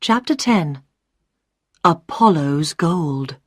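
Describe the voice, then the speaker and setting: Slow, careful woman narrator. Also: deep voice, lively intonation, no echo, studio quality. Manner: clear, careful, deliberate reading. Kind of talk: slow storybook narration for English learners.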